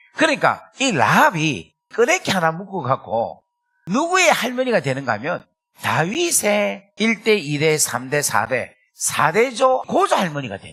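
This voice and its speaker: Moving at a fairly slow pace, a man's high voice makes very wide pitch swings and big swings in loudness. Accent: strong Gyeongsang. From Korea, Gyeongsang region. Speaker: pastor. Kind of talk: sermon. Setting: prayer retreat seminar.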